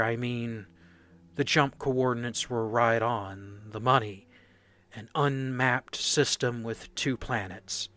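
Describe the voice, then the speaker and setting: A man playing a shaken, nervous mercenary foot soldier who gives halting, stammering testimony in a radio play. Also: medium pitch, sharp tone. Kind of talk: radio play dramatic monologue.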